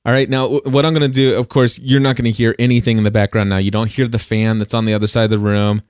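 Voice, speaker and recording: A man hosting a podcast, giving casual how-to advice in a loud voice with many fillers and restarts, talking close to a studio microphone in his home studio. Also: mid-range voice, little pitch movement, quick pace, clean tone, no room sound. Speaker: podcast host. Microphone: dynamic studio mic up close.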